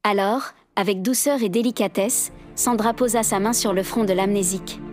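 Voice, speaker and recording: A woman's voice: mid-range voice, moderate pace, soft background music. Woman narrating a story. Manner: steady storytelling. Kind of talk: scripted narration.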